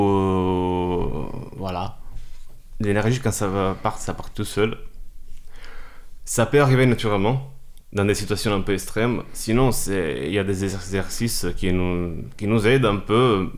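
Man, native Italian speaker, jazz musician, very low voice, slow, hesitant French. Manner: hesitant, searching for French words. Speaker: jazz pianist and accordionist guest. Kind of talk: casual interview talk.

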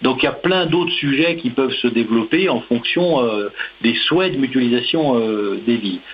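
A man talks as a radio guest, hesitating often and circling back to restart his sentences. His voice sits at an ordinary pitch. The line sounds slightly muffled, with a faint hiss underneath. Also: normal speed. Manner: hesitant, many fillers and restarts. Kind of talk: radio discussion.

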